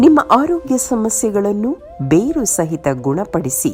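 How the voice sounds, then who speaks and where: With music in the background, a woman speaks in very wide pitch swings. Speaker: TV anchor. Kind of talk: documentary narration. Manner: graceful, emotional.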